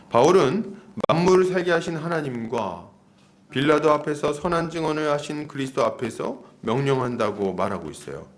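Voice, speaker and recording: Man preaching with lively, swinging intonation. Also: medium pitch. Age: about 40. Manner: emphatic repetition and rhetorical questions. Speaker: pastor. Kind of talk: expository sermon to a congregation.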